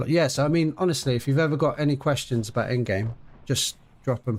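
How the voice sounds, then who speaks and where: A man's somewhat breathy voice at a fairly quick pace, with ordinary pitch variation. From UK. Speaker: gaming streamer. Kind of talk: live game stream chat. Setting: live stream, home setup. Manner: casual, chatty.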